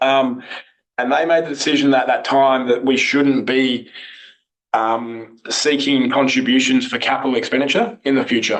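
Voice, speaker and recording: A man speaks with an Australian accent at a medium pitch. His pace is moderate and his intonation fairly even. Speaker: local council officer. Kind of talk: public consultation presentation. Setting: community meeting, live streamed. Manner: halting, many fillers.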